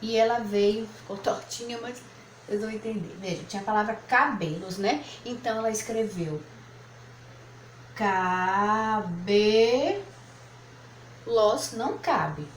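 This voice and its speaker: Patient teacher woman in an echoey room. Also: fairly high pitch. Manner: patient, spells out syllables slowly. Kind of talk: classroom lesson at a board. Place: room with whiteboard. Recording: echoey room, faint background noise.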